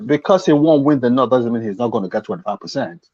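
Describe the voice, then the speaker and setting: A man's voice: medium pitch, animated, fast, darkish tone, muffled recording. An older man from Lagos, debating politics insistently and often stammering and repeating his phrases. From Lagos, Nigeria. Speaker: panelist on a political talk show.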